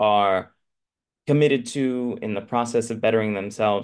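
Speaking at a medium pitch, this man talks with an American accent. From United States. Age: 30s. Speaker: podcast host. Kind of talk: interview.

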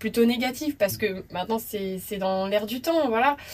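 Somewhat breathy and fairly high, a woman's voice moves at a fairly slow pace with ordinary pitch variation. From France, Corrèze (Limousin). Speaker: beauty pageant contestant. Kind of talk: casual interview.

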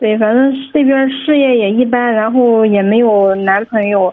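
Pitched fairly high, this woman has a normal speaking voice and ordinary pitch variation. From Shanxi. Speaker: caller. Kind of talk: phone-in conversation.

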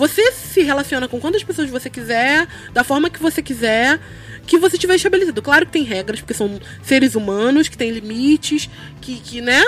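Over noticeable background noise, a woman with a high pitch talks at a fairly quick pace, with lively intonation and big swings in loudness. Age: 20s. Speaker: social scientist. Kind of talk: casual chat.

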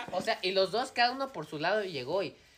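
Speaking at a fairly quick pace, a man with a high voice uses lively intonation. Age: 20s. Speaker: office worker. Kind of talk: casual chat.

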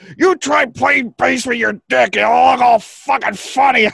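A man puts on a character voice, pitched extremely high. He keeps to a moderate pace. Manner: crude, gruff.

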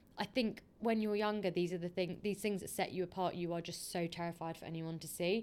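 A woman with a British accent speaks at a fairly quick pace, with hardly any pauses. Her pitch is fairly low and her intonation fairly even. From UK, British-born of Indian descent. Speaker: podcast host. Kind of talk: casual chat.

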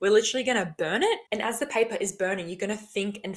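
The speaker rushes along at a very fast pace with an Australian accent. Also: woman. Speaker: podcast host. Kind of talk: pep talk, motivational solo monologue. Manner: animated, high-energy, emphatic, hyped-up, punchy; fast, chatty, swears casually, repeats words for emphasis.

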